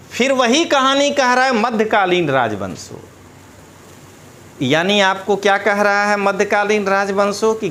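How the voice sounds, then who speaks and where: A man teaching an exam syllabus lecture, explaining in a lively way and checking in with his students. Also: fairly high pitch, slight background noise. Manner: animated, explanatory, addresses students directly with rhetorical checks.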